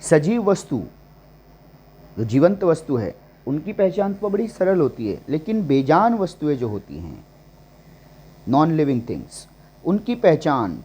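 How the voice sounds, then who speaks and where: Slow, lively grammar teacher, man. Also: mid-range voice. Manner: slow and deliberate, listing examples word by word. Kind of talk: classroom-style grammar lesson.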